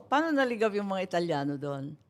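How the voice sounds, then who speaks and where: An older Filipino woman hosts a relaxed podcast conversation, her pitch bouncing widely as she teases and jokes. She laughs easily and slides back and forth between two languages in a casual, chatty way. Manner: playful teasing, quick laughs. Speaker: podcast host.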